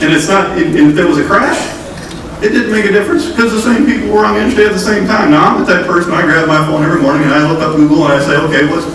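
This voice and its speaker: A man's voice: on the high side, racing. A man presenting to a conference audience, talking directly and casually to the crowd, with a cold that is wearing his voice down. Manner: folksy, direct, addresses audience as folks. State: has a cold, losing his voice. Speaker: state transportation official. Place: conference room. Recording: echoey hall, distant mic, noisy.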